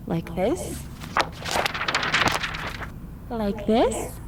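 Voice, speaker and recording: A woman's voice: medium pitch, very animated, extremely slow, heavy background noise. An actress playing a woman's uncanny doppelganger in an audio drama, cryptic, cool and mocking. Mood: taunting. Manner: echoes words, taunting, cool.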